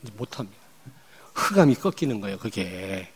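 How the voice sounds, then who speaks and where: A male pastor preaching a sermon, emphatic, jumping from loud outbursts to quiet asides. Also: fairly low pitch, sing-song, fairly quick, in a large hall, a little hiss or hum. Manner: acts out angry confrontations in quoted speech. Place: church.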